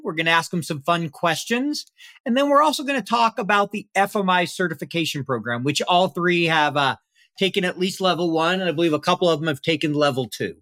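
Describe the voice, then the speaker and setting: A man's voice: high voice, pushed and bright, no room sound, studio quality. A man hosting a live panel discussion, asking guests friendly questions in an upbeat way. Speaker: podcast host.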